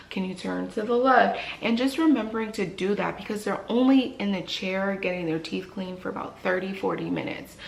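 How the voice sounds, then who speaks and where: A woman talks through her work as a dental hygienist in a casual, encouraging vlog, often repeating a phrase for emphasis. Her voice has a gravelly edge, and the room around her is echoey, with a faint hiss behind her. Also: mid-range voice.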